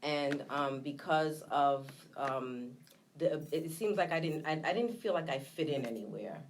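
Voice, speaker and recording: Her voice sits low and is expressive, with slight hiss or hum in the background. She's an interview guest and nonprofit founder from Trinidad who grew up in Brooklyn, sharing her personal story candidly and reflectively, pausing often and hesitating.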